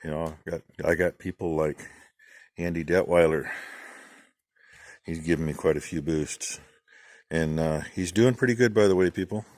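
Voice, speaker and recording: Folksy middle-aged farmer man, deep voice, dry close sound, casual rambling chat. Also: normal speed, long pauses, a little mellow, dry recording. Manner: folksy, rambling, plain-spoken. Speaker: farm channel vlogger. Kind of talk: casual rambling shout-outs.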